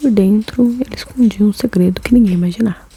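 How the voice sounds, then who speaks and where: Soft-spoken and calm in tone, a woman talks at medium pitch and a moderate pace with fairly even intonation over noticeable background noise. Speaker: ASMR creator. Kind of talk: ASMR true crime narration. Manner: soft-spoken, calm pace.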